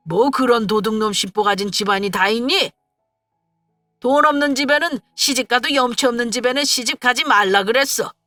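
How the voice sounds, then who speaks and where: A woman's voice: a little high, moderate pace, sharp tone, no room sound, faint music behind. A woman voicing an indignant middle-aged mother scolding a greedy family, in a spoken story. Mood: scornful. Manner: scornful, indignant.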